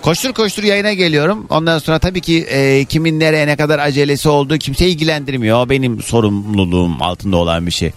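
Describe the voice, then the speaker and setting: A man hosting a morning radio show, telling an indignant story in an animated, chatty way full of sound words. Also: fairly high pitch, quick pace, few pauses. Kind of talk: casual monologue.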